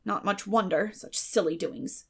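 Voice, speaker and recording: A woman's voice: mid-range voice, unhurried, creaky, slightly rough. A woman voicing a stern middle-aged farm woman in an audiobook, dry, clipped and sarcastic. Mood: disapproving. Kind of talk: audiobook character voice.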